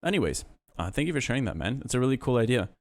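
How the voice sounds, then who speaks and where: A man hosting a casual livestream, giving relaxed, hesitant feedback on listeners' music with many pauses and fillers. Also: mid-range voice.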